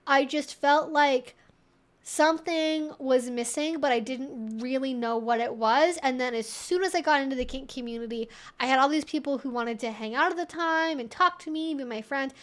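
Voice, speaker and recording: High-pitched young woman chatting casually. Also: moderate pace. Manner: rambling, informal, thinking aloud. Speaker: livestream host answering viewer questions. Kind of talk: casual livestream chat.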